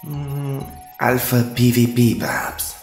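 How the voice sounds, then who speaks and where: A man's voice: mid-range voice, slow, darkish tone, close to an everyday voice. Man playing an eager, scheming lab doctor, echoing. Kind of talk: audio drama acting. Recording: echoing room with music behind. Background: music.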